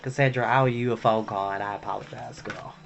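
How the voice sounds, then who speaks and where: A man's voice: medium pitch, steady tone, fast, vocal fry, highs cut off. A man hosting a casual story time livestream with sassy, campy drag-queen flair, chatting sweetly to viewers. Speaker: host of a live story time stream. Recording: music playing behind the voice. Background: soft ambient background music.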